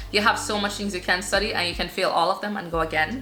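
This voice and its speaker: Background music accompanies a woman's speech. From Jamaica. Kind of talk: casual talk to camera. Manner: upbeat, chatty.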